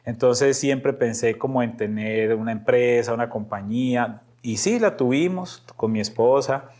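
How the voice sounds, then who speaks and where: A man's voice: medium pitch, unhurried, darkish tone. A middle-aged man from Medellín with a Colombian Paisa accent, a pastor telling stories of his life in an interview, laughing often and repeating his words. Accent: Colombian Paisa (Antioquia). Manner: laughs often, repeats himself, tells stories with voiced quotes. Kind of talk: relaxed storytelling interview.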